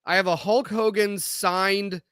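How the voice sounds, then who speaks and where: A man with a bright, forceful voice chats casually on a podcast, his throat slightly scratchy from allergies. He rambles and restarts his sentences often. The sound is dry and close. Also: high-pitched, flat delivery, unhurried, clean tone, no room sound. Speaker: podcast co-host. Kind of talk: casual chat.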